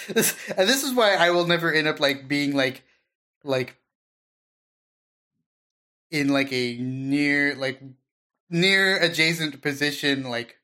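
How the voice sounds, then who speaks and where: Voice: mid-range voice, animated, slow pace, pauses often, sharp tone. A podcast co-host chatting casually in a blunt, opinionated way. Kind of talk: casual chat.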